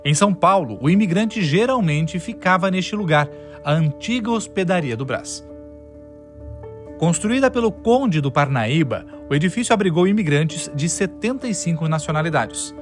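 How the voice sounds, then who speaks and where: A man with a Brazilian Portuguese accent reading a scripted news report as a reporter, in a measured, formal way. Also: on the high side, expressive. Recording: voice-over with music bed.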